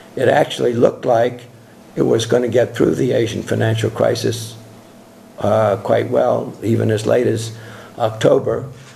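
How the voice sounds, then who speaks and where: A man with an American accent talks at a moderate pace. Audible room echo and noticeable background noise come through. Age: 70s. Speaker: economics professor. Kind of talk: lecture Q&A. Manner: halting, many fillers.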